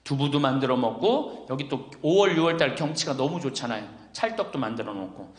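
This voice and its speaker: A man's voice: medium pitch, animated, fairly quick. A middle-aged man, a Catholic priest, giving a humorous lecture to an older audience, teasing them with rhetorical questions. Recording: echoey hall with long reverb.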